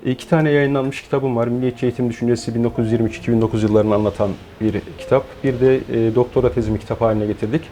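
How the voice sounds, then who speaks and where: A man in his forties speaks calmly and explains at length, pausing often with hesitant fillers. His voice is mellow and relaxed. Soft music plays faintly behind him. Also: medium pitch. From Turkey. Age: 40s. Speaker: guest, founder of an online shop. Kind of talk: interview.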